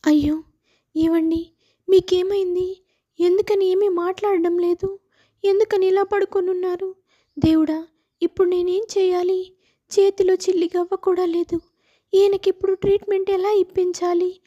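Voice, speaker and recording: A woman's voice: extremely high pitch, level tone, moderate pace, pauses often, warm tone, lo-fi sound. Woman voicing a tearful young wife Suvarna. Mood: distressed. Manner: pleading, tearful. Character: worried young wife and daughter-in-law.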